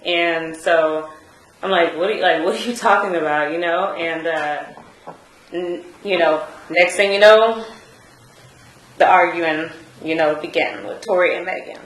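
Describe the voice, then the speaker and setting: A woman's voice: on the low side, fairly even intonation, a little slow, fairly bright tone, reverberant, poor audio. A woman giving hesitant courtroom testimony, full of fillers and restarts. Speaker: trial witness.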